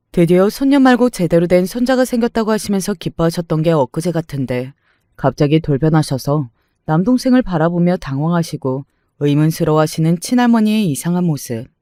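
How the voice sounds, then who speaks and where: A man narrating a true-life family story in a measured, somber way. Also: fairly high pitch, dark tone, clear, resonant tone, no echo, clean studio sound.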